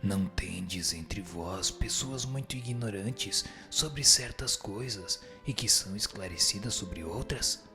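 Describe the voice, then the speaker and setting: A man's voice: on the low side, expressive, slow, few pauses. A Brazilian man playing a wise, solemn spirit teacher in a radio drama, speaking in formal, didactic and rhetorical phrases. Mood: didactic, patient. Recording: music behind the voice.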